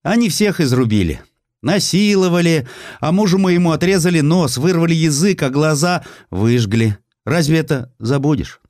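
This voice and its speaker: Man voicing a distraught peasant woman, pitched up. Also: animated, normal speed, a little mellow, dry recording, studio quality, close to an everyday voice. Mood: anguished. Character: distraught village woman testifying about atrocities.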